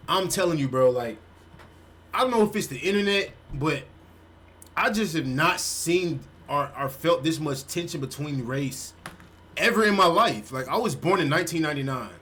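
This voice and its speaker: Young man, streamer, reaction commentary, slightly high voice, faint background hiss. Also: normal speed. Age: 20s. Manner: animated, swearing, says "bro" often.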